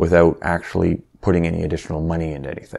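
A man with a dark, mellow tone and a Canadian accent, speaking at a very fast pace against a quiet background. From Canada. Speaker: tech reviewer. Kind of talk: product review. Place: home room. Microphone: lapel.

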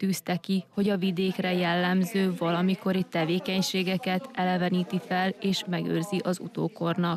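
A woman's medium-pitched voice stays in a monotone, flat intonation. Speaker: TV news reporter. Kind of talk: news narration.

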